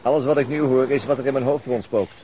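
An actor playing a weary, principled veteran policeman in a radio drama, brooding and halting as he searches for words. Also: medium pitch, dark tone, a little hiss or hum, natural voice, low-quality recording. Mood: tender, subdued. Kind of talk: naturalistic Dutch radio drama acting.

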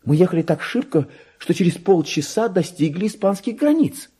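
An actor playing a deluded clerk who believes he is a king, in a pompous, erratic, theatrical radio monologue that swings from hushed to shrill. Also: sing-song, normal speed, husky, full character voice. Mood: solemn wonder. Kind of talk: dramatic literary monologue, Russian radio play.

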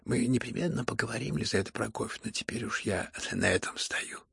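A man reading a storybook who voices a dying young man, calm and ironic, speaking hoarsely at barely a whisper. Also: mid-range voice, moderate pace, no echo, studio quality.

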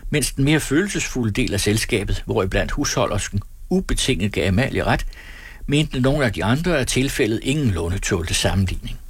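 A man reading aloud from an old novel in a measured, unhurried way, with a husky voice. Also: fairly low pitch, lively intonation, dry recording.

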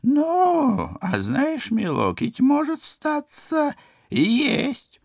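A man's voice: very high voice, wildly swooping pitch, extremely slow, gravelly, dry recording, studio quality, pitched above the performer's own voice, heavily acted. A man voicing a shrewd, motherly old village crone who talks in a folksy, wheedling way. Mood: conspiratorial.

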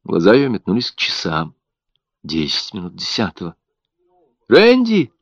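A man narrating an audiobook with an expressive, dramatic delivery. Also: sits low, normal speed, creaky, dry recording. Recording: dull, dry audiobook recording.

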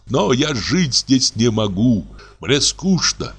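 A man's voice: medium pitch, sing-song, slow pace, a bit bright, breathy edge, voice pushed up, exaggerated voice. A man voicing a weeping, bored young woman who pleads to leave, in an audiobook reading. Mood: tearful pleading.

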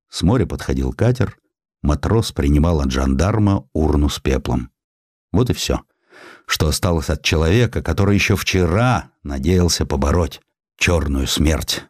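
A man with a deep, low voice narrates historical prose like a literary audiobook. His delivery is measured and expressive, with a dramatic storyteller's shaping. The sound is dry and close, free of room echo.

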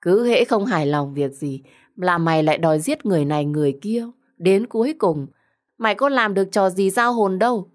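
A woman's voice: mid-range voice, animated, brisk, close to an everyday voice. A woman voicing a cruel, treacherous young woman in an audio story, with a mocking, condescending and sarcastic manner.

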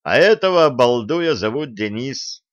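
A man's voice: medium pitch, expressive, measured pace, no echo, lo-fi sound, lightly acted. A man voicing a stern, strict karate sensei with a curt way of speaking.

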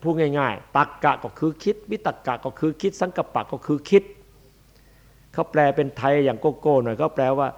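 A man's voice: medium pitch, animated, moderate pace, a little mellow. A man, a Buddhist monk, giving a dharma sermon in a blunt, emphatic, demonstrative way. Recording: dull lo-fi archive recording.

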